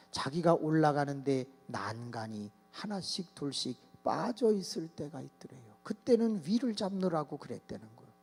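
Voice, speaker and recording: Animated Korean pastor preaching in a reverberant church. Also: male voice, fairly high pitch, slightly rough. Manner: animated storytelling, acting out children's voices and shouting. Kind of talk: sermon. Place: church sanctuary. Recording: long hall reverb with mains hum.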